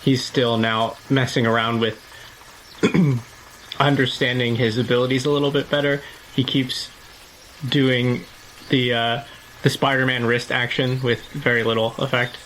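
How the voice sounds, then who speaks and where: Flat-toned man playing a tabletop game. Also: medium pitch, a little slow, a little hiss or hum, poor audio. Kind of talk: casual improvised character description.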